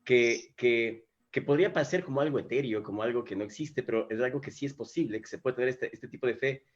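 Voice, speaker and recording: A man's voice: mid-range voice, fast, highs cut off. A man hosting a live talk on faith, telling the story animatedly and often restarting his sentences. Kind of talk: casual spiritual conversation. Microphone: video call microphone.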